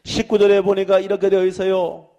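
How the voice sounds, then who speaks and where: A man preaching an evangelistic sermon at a church service as the pastor, earnest, swinging between emphatic and hushed, with repeats and drawn-out phrases. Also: sits high, monotone.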